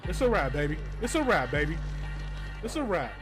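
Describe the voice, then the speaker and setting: A man's voice: a little high, sing-song, fairly quick. A man in casual, joking video clips. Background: music.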